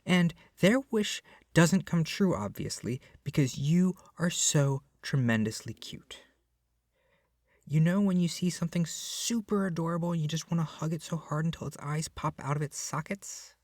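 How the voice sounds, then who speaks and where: A man playing a lovestruck, clingy young kidnapper in an intimate ASMR roleplay, speaking softly and earnestly with gushing, coaxing tenderness. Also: fairly high pitch, normal speed, no room sound, studio quality. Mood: adoring, gushing. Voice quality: soft, breathy, often dropping to a whisper. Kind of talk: ASMR roleplay, intimate second-person acting. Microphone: close microphone, dry.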